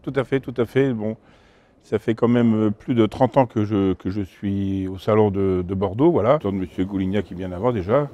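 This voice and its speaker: A man's voice: fairly low pitch, warm tone, a little hiss or hum. A man in his fifties from France, an antiques dealer answering informally in an interview. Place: exhibition hall stand, indoors. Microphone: lapel mic.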